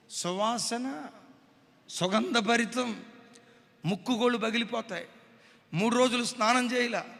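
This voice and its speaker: High, bright-voiced Telugu pastor preaching. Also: male voice, long reverb tail. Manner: dramatic preaching, shifting from hushed to loud cries, acting out quotes. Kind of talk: sermon.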